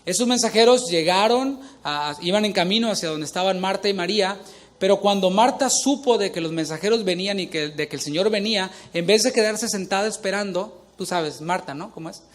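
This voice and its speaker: A man's voice: high-pitched, brisk. A middle-aged male pastor preaching a sermon, asking the congregation questions as he reads scripture.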